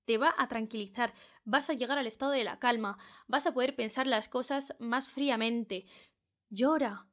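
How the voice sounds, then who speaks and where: A young woman with a Spain Spanish accent talks through a solo advice podcast, her voice sitting a little on the high side. She is earnest and direct, often repeating a phrase two or three times to drive it home. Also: a bit bright. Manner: earnest, repeats phrases for emphasis, speaks straight to the listener. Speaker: podcast host.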